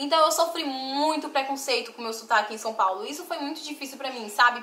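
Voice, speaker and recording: A woman uses a raised, projected voice at a high pitch and a fairly quick pace. Audible room echo and noticeable background noise come through. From Bahia, Brazil (Irecê). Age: 20s. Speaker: vlogger. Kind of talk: personal life story.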